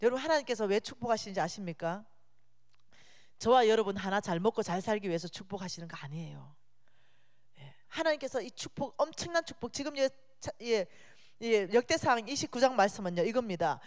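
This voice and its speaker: A woman giving a sermon as a guest speaker in a church, animated and chatty, joking with the congregation. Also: mid-range voice, a little fast. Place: church sanctuary. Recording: long reverb of a church hall.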